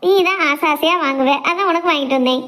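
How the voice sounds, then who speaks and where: Woman playing a young daughter, earnest and playful, talks super fast. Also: high voice, fairly bright tone. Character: young adult working daughter, devoted and teasing. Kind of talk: family drama skit.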